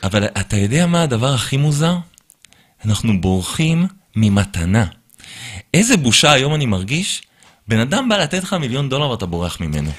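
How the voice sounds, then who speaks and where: Man, rabbi, animated personal storytelling, swinging intonation. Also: mid-range voice. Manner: lively storyteller who acts out quotes.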